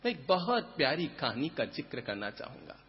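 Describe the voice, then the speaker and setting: A man's voice: big pitch swings, brisk. A man preaching a sermon and telling a story, acting out the voices of its characters. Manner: dramatic, acts out story characters with rising pitch. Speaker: Jain preacher. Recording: dull lo-fi recording in a reverberant hall.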